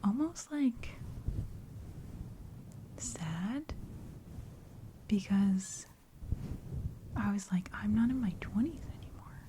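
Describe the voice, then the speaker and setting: A woman in her thirties giving a soft, encouraging whispered ramble for ASMR, full of "like" fillers, close on the mic. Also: medium pitch, expressive, takes it slowly, pauses often, slight background noise. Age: 30s. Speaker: ASMR creator. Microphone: close studio mic with brushing.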